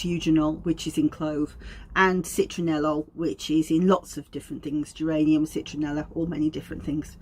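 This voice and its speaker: A woman with a Black Country accent from Wolverhampton giving an informal educational talk to viewers, explaining things in a chatty, self-deprecating way. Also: lowish voice. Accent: Black Country English (Wolverhampton). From Wolverhampton, England. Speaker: aromatherapy educator and host.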